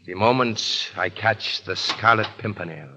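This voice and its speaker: A scheming French envoy, cool and measured. His voice is low but crisp and bright, with a long reverberant tail in the room. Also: heavily acted. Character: cold, scheming French ambassador. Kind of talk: 1930s radio drama acting.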